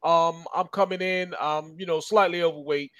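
A man's voice: a little high, steady tone, moderate pace, a bit bright, no room sound. A man, chatting casually and poking fun at himself. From Long Island, New York. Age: 50s. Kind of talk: casual podcast chat.

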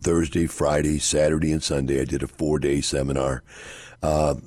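A hoarse man hosting a radio show on investing, talking casually and rambling with many fillers and restarts. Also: extremely low pitch, flat delivery, moderate pace, a little mellow, no echo, studio quality. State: hoarse, scratchy voice.

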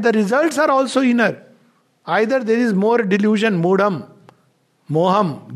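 A man's voice: sits high, creaky. An Indian-accented man giving an informal spiritual discourse as a teacher, emphatic and digressive, repeating phrases for stress and moving between quotations and his own commentary.

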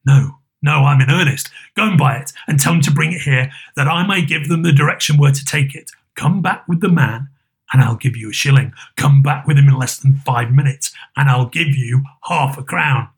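A man's voice: medium pitch, normal speed, vocal fry, husky. A man voicing an elderly miser turned kind, with emphatic, clipped delivery in a dramatised storybook reading. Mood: delighted, eager.

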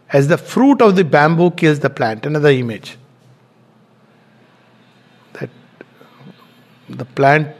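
A man's voice: on the high side, husky. A middle-aged man giving an earnest spiritual talk, repeating words for stress. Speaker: spiritual lecturer.

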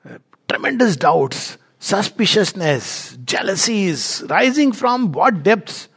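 A man's voice: high voice, sing-song, slow, creaky, fairly bright tone, breathy edge. A man with a North Indian accent gives a spiritual discourse as a teacher, in an emphatic storytelling manner with acted-out dialogue. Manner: emphatic, storytelling, chuckles at own remarks.

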